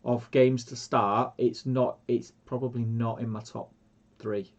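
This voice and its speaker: A man's voice: medium pitch, level tone, a little slow, dull audio. A man who sounds stuffed up with a cold, co-hosting a casual livestream and often restarting his sentences. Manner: hesitant, many restarts. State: congested, bunged up. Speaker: co-host.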